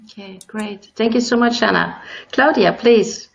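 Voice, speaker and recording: A woman's voice: mid-range voice, a little slow, vocal fry, dull audio. A woman moderating an informal live webinar, handing the floor to panelists.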